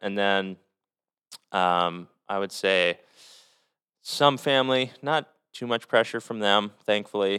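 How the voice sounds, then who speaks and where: On a very clean recording with a silent background, a voice in an Upper Midwest accent speaks at a fairly slow pace with a bright, sharp tone. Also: man, dry, close sound with no echo. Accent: Upper Midwest American. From Minnesota, Twin Cities metro. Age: 20s. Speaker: business owner, podcast co-host. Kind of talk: casual chat.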